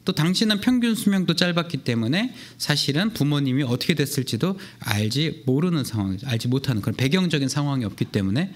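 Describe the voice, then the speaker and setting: A young man preaching a sermon as a youth pastor, telling the story with lively storytelling and acting out the voices of the people in it. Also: fairly high pitch, fast, hardly any pauses.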